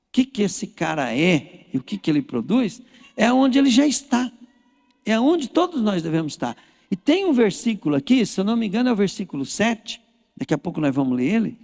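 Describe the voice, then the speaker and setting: A man's voice: high-pitched, vocal fry, darkish tone. A man with a Brazilian Portuguese accent preaching a sermon in a folksy, storytelling way, speaking straight to the congregation. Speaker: pastor. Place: church hall. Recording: reverberant church hall.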